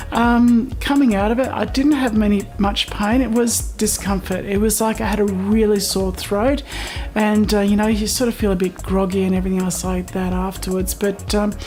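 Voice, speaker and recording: Music plays in the background and the room echo is audible as a woman speaks with an Australian accent. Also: moderate pace. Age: 40s. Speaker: voice surgery patient. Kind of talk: testimonial interview.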